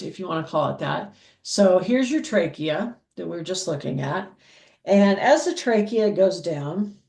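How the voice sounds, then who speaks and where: A woman with a deep voice for a woman, teaching anatomy in a patient lecture style, checking in with "okay?" and filling pauses with "um". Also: a little mellow. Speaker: anatomy instructor. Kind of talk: slow explanatory lecture over diagrams.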